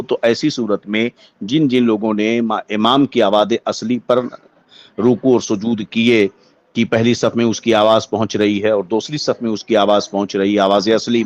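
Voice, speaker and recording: A man with an Indian accent, a Muslim cleric giving a religious ruling as a lecture in deliberate, formal scholarly phrasing. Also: on the low side, no echo, muffled recording.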